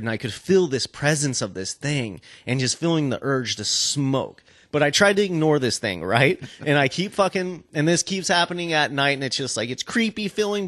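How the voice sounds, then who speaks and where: A man's voice: medium pitch, a bit bright, no room sound. Casual man spinning stories, close dry sound. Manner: rambling, peppered with "like" and swearing. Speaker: podcast co-host telling stories. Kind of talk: casual profane storytelling chat.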